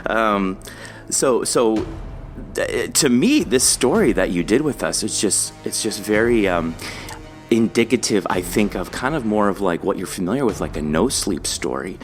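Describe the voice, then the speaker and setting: Low-voiced male podcast host. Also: expressive, normal speed, faint music behind. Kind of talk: conversational interview.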